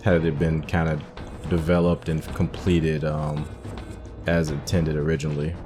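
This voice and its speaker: Low-voiced male gaming host, casual rambling commentary, soft game music underneath. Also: moderate pace. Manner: rambling, relaxed, many fillers.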